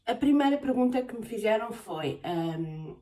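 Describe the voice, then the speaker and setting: A woman from Portugal with a European Portuguese accent, chatting casually in a question-and-answer vlog, often pausing on filler sounds. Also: fairly high pitch, lively intonation, mellow. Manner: hesitant, many filler sounds. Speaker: vlogger. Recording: voice a bit far from the mic.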